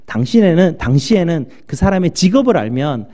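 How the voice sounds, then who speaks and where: Pastor guy preaching in church, voice jumps all over, warm mellow tone, big loud bits then low asides. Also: fairly quick. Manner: animated preaching that swings between loud acted outbursts and low asides. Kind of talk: sermon.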